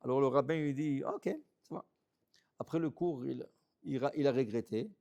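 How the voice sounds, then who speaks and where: A man, a rabbi, telling stories in a sermon, animated, repeating phrases and checking in with "ok?". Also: mid-range voice, a little fast, creaky. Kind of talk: storytelling sermon.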